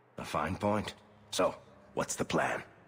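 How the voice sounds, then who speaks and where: A man's raspy, put-on character voice at a fairly low pitch. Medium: video game. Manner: wry, dry.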